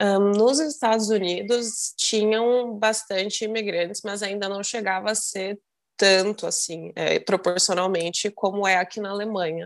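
In an unremarkable speaking voice, a woman of medium pitch talks at a fairly slow pace with hardly any pauses and fairly even intonation. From Brazil. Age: 20s. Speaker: nurse. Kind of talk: casual interview.

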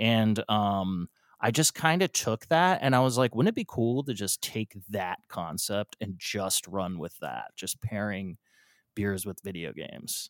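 In a very clean recording with a silent background, a man with a fairly low pitch speaks at a fairly slow pace with lively intonation, the sound dry and close with no echo. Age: 30s. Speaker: beer and retro gaming photographer. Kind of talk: casual chat.

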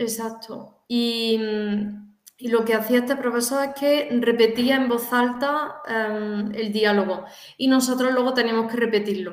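A woman's fairly high, fairly slow speech in an Andalusian accent, with fairly even intonation and audible room echo. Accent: Cordoban Andalusian Spanish. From Córdoba, Andalusia, Spain. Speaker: translator and Mandarin learner. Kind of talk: interview. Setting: video call.

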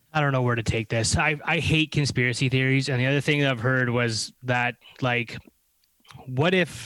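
A man in a Canadian accent with an unremarkable speaking voice, medium pitch, fairly even intonation, very even loudness and a moderate pace. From Canada. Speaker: podcast co-host. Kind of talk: casual chat.

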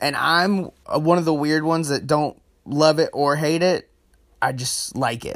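A plain, everyday voice from a man, fairly slow in pace with fairly even intonation, on a very clean recording with a silent background. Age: 30s. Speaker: podcast host, music fan. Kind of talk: solo podcast monologue. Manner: casual, with fillers and repetitions.

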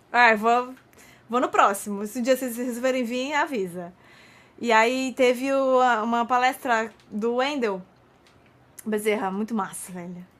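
With long, frequent pauses, a woman talks in a high pitch with ordinary pitch variation. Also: fairly slow pace. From São Paulo, Brazil. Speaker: streamer and model. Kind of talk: casual chat.

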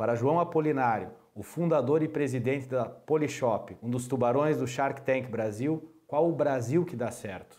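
Hardly pausing, a man talks in a dark, mellow tone at a medium pitch with ordinary pitch variation. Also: fairly slow pace. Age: 30s. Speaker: TV host. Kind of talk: TV interview. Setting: TV studio.

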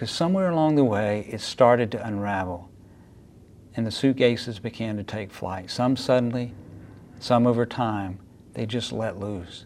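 A man talks at a moderate pace in a Southern US accent. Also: medium pitch for a man, ordinary pitch variation. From North Carolina. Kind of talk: sermon. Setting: church.

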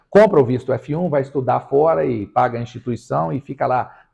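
A man's medium-pitched voice with vocal fry, a dark, mellow tone and very wide pitch swings, at a fairly quick pace against a quiet background. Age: 50s. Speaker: business owner. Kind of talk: casual chat.

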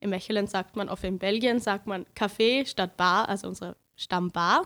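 A woman speaks at medium pitch and a fairly slow pace. The recording is very clean, with a silent background. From Austria, Lower Austria near Steyr. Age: 20s. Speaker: student, exchange network founder. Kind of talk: casual interview.

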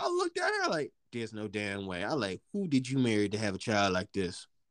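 The man's tone is animated and his pace fairly quick. The sound is dry and close with no echo. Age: 20s. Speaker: podcast co-host. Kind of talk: casual banter, storytelling. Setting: video call recording. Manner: animated, profane, joking.

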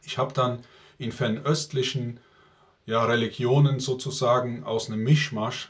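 A man's somewhat breathy voice, medium in pitch. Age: 50s. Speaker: police officer sharing his faith testimony. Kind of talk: testimony.

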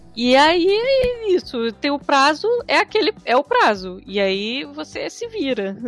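Over noticeable background noise, a woman with a high pitch speaks at a very slow pace with very wide pitch swings and hardly any pauses. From Rio de Janeiro state, Brazil (Petrópolis). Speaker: illustrator. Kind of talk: casual chat.

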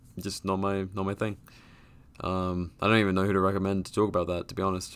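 With an English accent, a man talks at a very fast pace and a fairly low pitch. The recording is very clean, with a silent background. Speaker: podcast host. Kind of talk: solo podcast monologue and Q&A. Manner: casual, natural delivery.

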